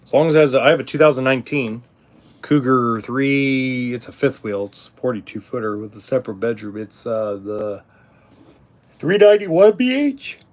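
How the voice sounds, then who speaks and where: A man's voice: mid-range voice, steady tone, normal speed. A middle-aged man hosting a casual livestream about RVs, answering viewers in a rambling way, with frequent ums, restarts and blunt cursing. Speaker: RV livestream host.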